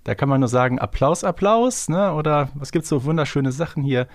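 A man's voice: a little high, animated, a little fast, background noise. A man co-hosting a casual quiz podcast, chatty and teasing, talking colloquially. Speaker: podcast co-host.

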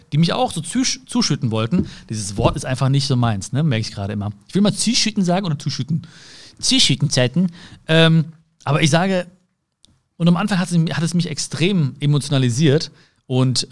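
Earnest man giving a motivational talk. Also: on the high side. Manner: earnest, swings between soft slow words and quick asides; addresses the listener directly with repeated phrases. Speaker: motivational speaker. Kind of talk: motivational monologue.

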